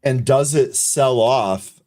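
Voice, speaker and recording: A man co-hosting a live trading show, calling out tickers and chart levels in brisk, quick succession. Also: medium pitch, a little mellow, no echo, studio quality. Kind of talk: live market commentary.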